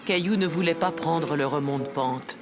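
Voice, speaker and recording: Lower-pitched woman narrating a children's story. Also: normal speed, over loud music.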